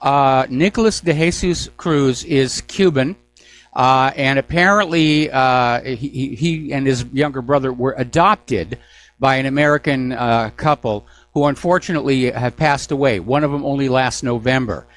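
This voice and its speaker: Brisk male call-in radio host. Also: medium pitch, a bit bright. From New Hampshire. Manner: brisk, moves callers along with frequent "uh" fillers. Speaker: radio talk show host.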